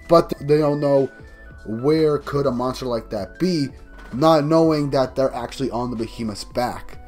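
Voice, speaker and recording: A man's voice: mid-range voice, a little mellow. A man with a cold, sounding a little groggy, giving an enthusiastic, rambling casual review of a manga chapter. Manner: enthusiastic, rambling recap with restarts.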